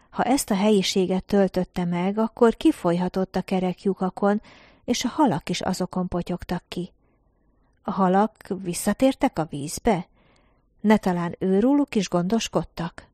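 A woman reading a first-person science-fiction story aloud as an audiobook, in a measured, calm narration. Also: medium pitch, no echo, clean studio sound. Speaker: audiobook reader.

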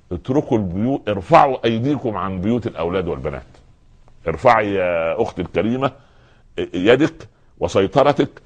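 Fast-talking, deep-voiced preacher. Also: male voice, a little mellow. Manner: earnest, admonishing, addresses listeners directly, acts out quoted voices. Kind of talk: sermon.

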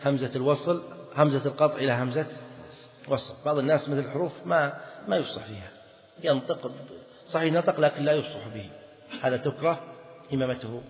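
A man's voice: medium pitch, fast, pauses often. A man teaching Islamic law in a lecture, quizzing students and repeating key phrases. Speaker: Islamic scholar teaching fiqh. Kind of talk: classroom lecture on a text. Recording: dull lo-fi audio in a reverberant hall.

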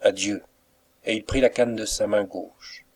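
A man reading a novel aloud as an audiobook narrator, in a calm, measured way. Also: on the low side. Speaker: audiobook reader. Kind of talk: scripted narration.

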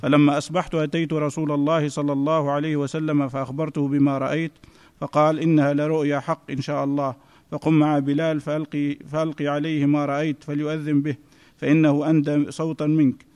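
A man reading a classical text aloud to a class in a steady recitation, recorded in an echoey hall. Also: on the high side, fast talker, smooth. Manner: steady recitation in a level chant.

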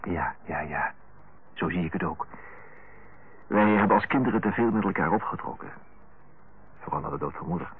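A man's voice: low voice, normal speed, pauses often, slight background noise, lightly acted. A male actor playing an earnest, affectionate middle-aged younger brother in a radio drama, speaking hesitantly and correcting himself as he searches for tactful, frank words. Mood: earnest, tender. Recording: tinny narrow-band old radio recording.

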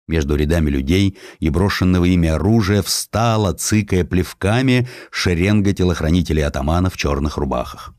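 A man narrating historical prose as an audiobook, with measured, dramatic storytelling. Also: sits low, expressive, a little mellow, dry recording, studio quality.

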